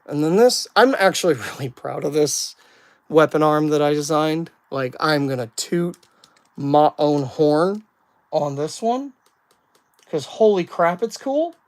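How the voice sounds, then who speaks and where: Slow, gravelly voice walking through a build. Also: mid-range voice. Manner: rambling and self-deprecating, thinking aloud while building. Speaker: toy builder giving build instructions. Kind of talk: casual live-stream build walkthrough.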